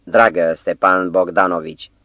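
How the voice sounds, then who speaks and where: A man narrating an audiobook voices a mysterious foreign stranger dressed in black, speaking slowly in a heavy voice with a faint foreign lilt. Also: deep voice, steady tone, bright, forceful tone, dry recording, dull audio. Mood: smugly courteous.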